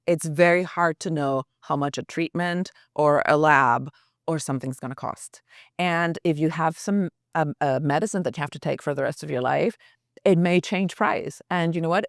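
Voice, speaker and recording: A woman's voice: sits low, moderate pace, no echo, clean studio sound. A woman journalist as a podcast guest, talking earnestly and thinking aloud with restarts. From United States. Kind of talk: reflective podcast interview.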